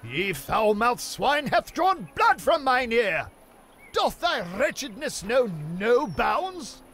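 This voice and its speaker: A voice actor playing a flamboyant medieval knight in a video game, speaking in theatrical mock old English full of double meanings. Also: male voice, a bit bright, full character voice. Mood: indignant. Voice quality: high, theatrical mock-Elizabethan delivery.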